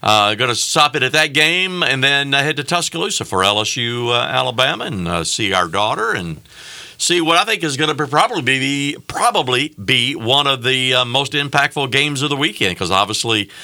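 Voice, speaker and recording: A man's voice: medium pitch, animated, fairly quick, sharp tone. A man appearing as a guest on a sports radio show, friendly and talking with frequent fillers. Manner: friendly, hesitant with many fillers. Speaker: bowl game executive guest. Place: radio studio.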